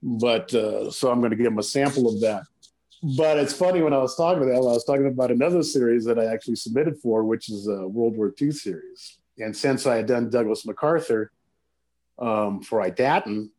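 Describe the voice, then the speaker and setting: A man speaks as an actor guest in a relaxed interview. His voice is mellow and warm at a middle pitch, and he tells stories with emphasis. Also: brisk. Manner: emphatic, anecdotal storyteller. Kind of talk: casual chat.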